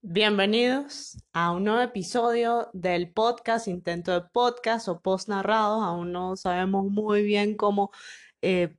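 A woman's voice: medium pitch, steady tone, unhurried. A woman co-hosting a podcast in casual chat, playful and teasing with her co-host.

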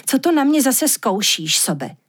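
A woman voicing a small, skeptical female arctic fox who teases in a wry, doubtful way, with a husky voice. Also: high voice, big pitch swings, voice pushed up, exaggerated voice.

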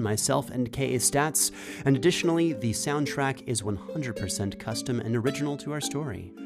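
Male narrator for horror fantasy podcast, theatrical and literary, mid-range voice, clear music bed beneath. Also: medium pitch. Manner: ornate, theatrical storytelling. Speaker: game master, narrator. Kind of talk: dramatic scripted horror narration.

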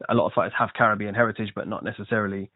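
A man hosting an interview who asks chatty questions at a quick clip, often restarting mid-sentence. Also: on the low side, flat delivery, husky, no room sound. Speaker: interviewer, host. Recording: tinny dry phone line.

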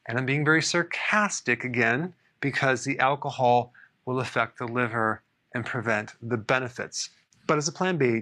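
Bright-voiced man explaining health topics. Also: mid-range voice. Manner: casual, explanatory, dry sarcastic asides. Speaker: health podcast host. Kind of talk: solo explainer talk.

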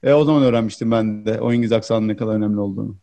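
A man in a casual group chat, giving animated, rambling explanations. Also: on the low side, very fast, vocal fry. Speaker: guest.

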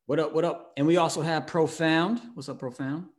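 A man's voice: on the high side, brisk. Easygoing male podcast host. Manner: easygoing, asks relaxed questions. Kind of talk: casual interview chat.

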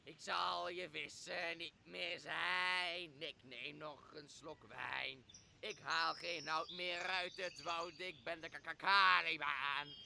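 Guy doing a grovelling nasty monster in a radio play, raspy creak, kinda high pitched. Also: fairly even intonation, slow pace, bright, forceful tone, a little hiss or hum, full character voice. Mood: drunk, defiant. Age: young adult. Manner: grovelling pleas and spat insults. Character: servile, spiteful island monster, male, grovelling and vengeful. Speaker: student actor. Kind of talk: amateur radio drama acting.

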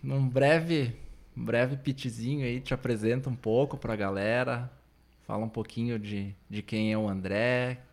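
A man's voice: medium pitch, fairly even intonation, unhurried. A man, co-hosting a podcast and introducing a guest in a friendly, rambling way. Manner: friendly, rambling, lots of fillers. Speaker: podcast co-host. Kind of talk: casual podcast chat.

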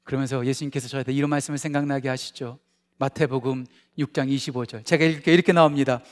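A man pastor preaching a sermon, animated, moving between loud emphatic lines and soft confiding asides, often asking the congregation questions. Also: medium pitch, fast talker. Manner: conversational, asks the congregation questions.

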